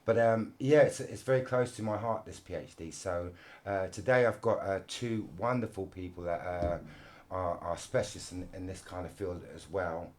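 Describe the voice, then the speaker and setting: A middle-aged man from London hosting a casual podcast, talking in an animated, restless way with many restarts and repeated words. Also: low-pitched, moderate pace. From London, England. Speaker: podcast host.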